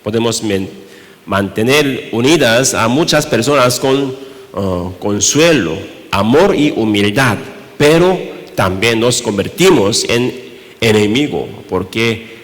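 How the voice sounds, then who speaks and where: A man from Korea with a Korean accent, preaching a sermon in Spanish as pastor, halting, with many rhetorical questions. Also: mid-range voice, lively intonation. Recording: reverberant church hall.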